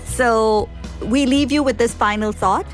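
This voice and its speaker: Woman host, sindhi first language, keen and upbeat, slightly high voice, light music under. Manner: enthusiastic, quick to praise. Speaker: podcast host. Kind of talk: upbeat interview hosting.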